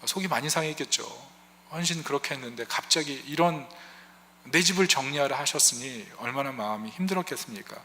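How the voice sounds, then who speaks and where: A male pastor delivers a sermon in a church sanctuary, and his bright, forceful voice carries with a long reverb around it. He talks to the congregation conversationally, throws out rhetorical questions, and briefly voices the prayers he quotes. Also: medium pitch, brisk, a little hiss or hum.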